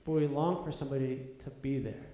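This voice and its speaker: A man's voice: mid-range voice, fairly even intonation, fairly quick, warm tone. A man preaching a sermon, earnest and building to emphatic peaks with repeated phrases, in a church sanctuary. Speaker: pastor. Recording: echoey room.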